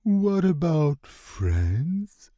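A lonely young sea-creature girl from a children's storybook, her voice lifted high and drawn out slowly in tearful pleading, as a male reader puts her on. The sound is close and dry, with a softened, airy tone unlike the reader's own. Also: big pitch swings, dry recording, full character voice. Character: sad young female sea creature with big mouth.

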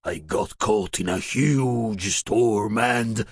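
A man's voice: lowish voice, extremely slow, creaky, breathy edge, dry recording, heavily acted. A man voicing a clumsy, friendly young male dragon in a storybook, stammering and bumbling. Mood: bashful.

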